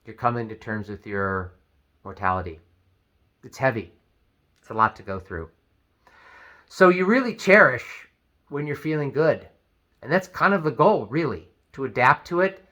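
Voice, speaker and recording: Animated man with a bright, lively voice. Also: mid-range voice. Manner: animated, acts out quoted speech. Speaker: vlogger. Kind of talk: advice video talk.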